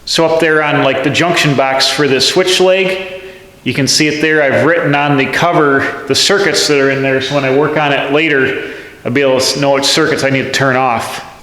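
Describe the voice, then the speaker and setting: This man's voice is medium in pitch, steady, a bit bright, at normal speed. As a DIY channel host, he explains what he's doing step by step while he works in a pole barn workshop, thinking aloud with many restarts, and the barn echoes noticeably.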